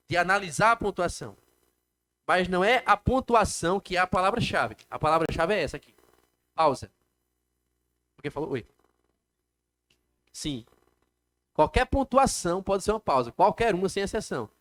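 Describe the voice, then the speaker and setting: A man's voice: high-pitched, animated, normal speed, long pauses, a bit bright. Brazilian man lecturing a class. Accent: Brazilian Portuguese. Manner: explains step by step, asks the class questions. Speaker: teacher. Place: classroom with students.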